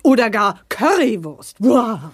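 A woman's voice: on the high side, very animated, unhurried, breathy edge, full character voice. A woman playing a haughty, scolding witch wife in a 1980s children's audio drama, disdainful and emphatic. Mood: scornful, scolding. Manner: disdainful, emphatic, spitting out each adjective.

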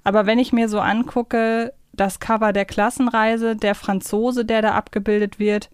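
A woman's voice: on the high side, flat delivery, normal speed, clean tone, dry recording, clean studio sound. A woman chatting casually as a podcast co-host.

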